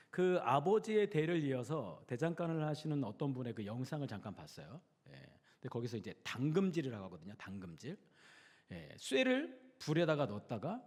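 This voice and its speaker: A man's voice: fairly high pitch, darkish tone. A man preaching a Wednesday sermon in a conversational way, often putting questions to the congregation. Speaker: pastor. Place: church sanctuary. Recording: long church hall reverb.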